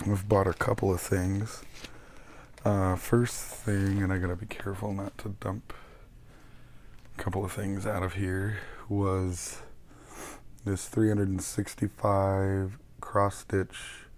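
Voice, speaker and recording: A young man losing his voice, chatting casually and haltingly about his cross-stitch projects from a small room at a webcam. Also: low-pitched, a little mellow, a little hiss or hum. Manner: rambling, many ums, halting. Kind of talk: casual chat showing crafts. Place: small bedroom with shelves of plush toys.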